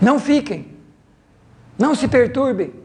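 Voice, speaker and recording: Audible room echo surrounds a man at an extremely high pitch. He talks at a very slow pace. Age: 60s. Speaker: pastor. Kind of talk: sermon.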